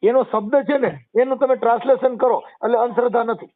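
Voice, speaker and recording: Man explaining over a phone line. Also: very high-pitched. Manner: explains folk verses and history, chanting couplets slowly. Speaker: social media personality taking calls. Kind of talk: phone call discussion. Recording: tinny phone call recording.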